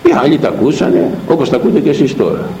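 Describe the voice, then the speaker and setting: A man's voice: mid-range voice, roomy sound, a little hiss or hum, rough recording. A man preaching a sermon, telling anecdotes and acting out the dialogue in them. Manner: storytelling, animated, acts out dialogue. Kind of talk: sermon on a Bible verse with anecdotes.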